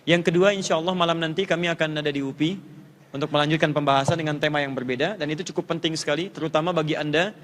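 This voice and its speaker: A male Islamic preacher giving a lecture on Quran pronunciation, animated, repeating letter sounds to demonstrate them and coaching volunteers. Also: on the high side, very fast. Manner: coaches audience volunteers in front of a crowd. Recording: long hall reverb.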